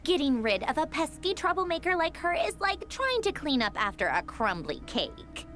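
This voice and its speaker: Tiny squeaky game fairy, bubbly n cheeky, super high and bouncing all over, music behind. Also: female voice, sing-song, normal speed, fairly bright tone. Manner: speaks of self in third person. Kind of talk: video game voice acting.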